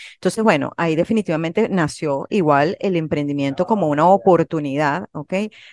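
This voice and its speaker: A woman with a Venezuelan accent and fairly low pitch, fairly quick in pace with hardly any pauses, in a dry, close sound with no echo. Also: ordinary pitch variation. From Venezuela, Valencia. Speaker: life coach. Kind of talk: casual chat.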